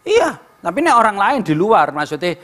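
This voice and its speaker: Animated East Javanese preacher, high voice. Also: male voice, normal speed. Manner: joking, blunt preaching with rhetorical "right?" asides. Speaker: pastor. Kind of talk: sermon.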